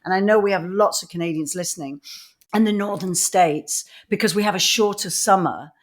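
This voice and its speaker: A woman's voice: fairly low pitch, brisk. A woman hosting a podcast interview, chatty and rambling as she asks questions. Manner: chatty, rambling, laughs easily. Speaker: podcast host.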